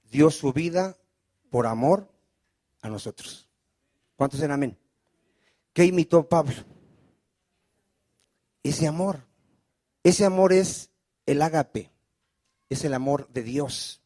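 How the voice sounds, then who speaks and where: A man's voice: a little high, darkish tone, dry recording. A man preaching a sermon as pastor, often asking the congregation questions and calling for amens. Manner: preaching with call-and-response questions.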